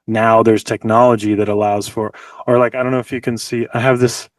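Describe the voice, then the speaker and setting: A man's voice: mid-range voice, level tone, fairly quick, no echo. Chatty man on a distant mic. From Los Angeles, United States. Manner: chatty, leans heavily on "like" fillers. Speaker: guest musician. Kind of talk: casual interview chat. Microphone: video call. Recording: dry, slightly distant mic.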